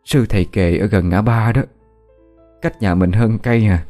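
A man's voice: moderate pace, warm tone, faint music behind, natural voice. A man voicing a grieving middle-aged mother who talks sadly. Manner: sad, low-spirited.

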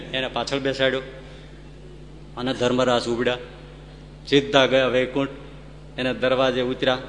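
A man's voice: mid-range voice, a bit bright, long reverb tail, a little hiss or hum. A man giving a humorous religious discourse, acting out characters and chanting Sanskrit verses. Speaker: religious storyteller.

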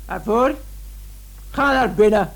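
An actress playing a sharp-tongued young daughter, curt and scornful, in a Dutch radio play. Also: female voice, a little high, slow.

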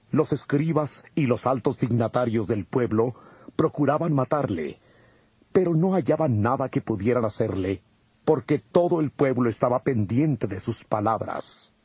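Very husky, mellow male Bible narrator. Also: medium pitch, dry recording. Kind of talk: scripted narration of dramatized audio Bible. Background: music.

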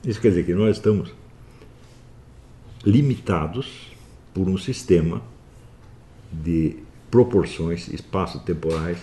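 A man giving a philosophy lecture, swinging from calm explaining to forceful scolding. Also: sits low. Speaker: philosophy teacher. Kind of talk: recorded online lecture.

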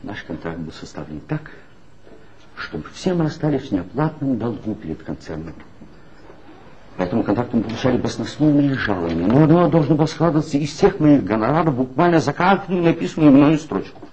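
An actor playing a bitter, ironic former magazine writer in a 1960s radio play, speaking in a measured, wry way. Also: male voice, medium pitch, expressive, a little mellow, lightly acted. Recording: dull old 1960s radio recording with faint hiss.

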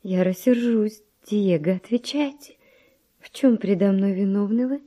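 An actress playing a virtuous young Spanish noble widow, with refined, breathy, emotional delivery in a verse radio drama. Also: female voice, mid-range voice, unhurried, warm tone, close to an everyday voice. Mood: insistent curiosity.

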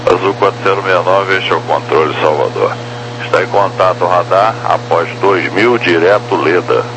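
Deep-voiced Brazilian male controller on radio. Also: normal speed. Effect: two-way radio transmission. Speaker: air traffic controller. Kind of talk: aviation radio communication. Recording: noisy air traffic radio with hum. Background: hum and radio noise.

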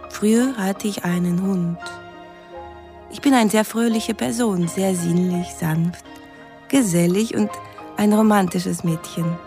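A woman's voice: mid-range voice, mellow. An actress playing a cheerful young Russian woman reading her romantic letters aloud in stilted, ungrammatical sentences in a radio drama. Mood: cheerful, sincere.

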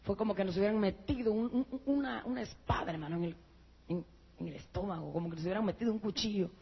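A husky, breathy woman gives a fervent testimony from a church pulpit, her voice climbing high whenever the story heats up. The recording is muffled and lo-fi, dulling the top of her voice. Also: fast. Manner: emotional, addresses listeners as brothers, rises to high excited peaks.

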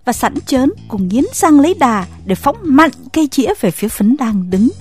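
Breathy, expressive woman narrator. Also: sits high, moderate pace, faint music behind. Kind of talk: scripted story narration.

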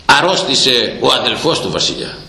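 A man preaching a storytelling sermon, telling a tale in a lively way and acting out the characters. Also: mid-range voice, gravelly. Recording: echoey hall with long reverb.

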